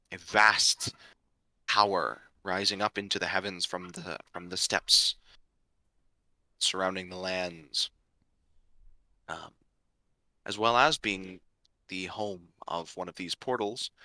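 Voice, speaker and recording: A man from the United States serving as dungeon master, narrating a tabletop game livestream in a halting way with many fillers and restarts. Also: low voice, sharp tone, dry recording, poor audio. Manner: halting, full of ums and uhs and restarts.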